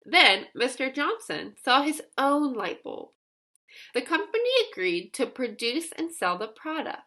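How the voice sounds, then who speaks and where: Female storybook narrator, high and very lively in pitch, expressive scripted read-aloud for children with emphatic delivery. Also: measured pace. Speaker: storybook reader.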